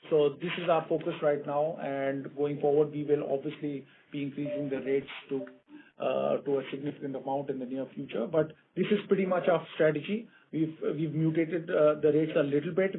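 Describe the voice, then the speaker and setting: A male hospitality executive answering analysts' questions on a conference call, explaining in measured corporate phrases. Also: fairly high pitch. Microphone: conference call line. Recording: tinny phone line with faint noise.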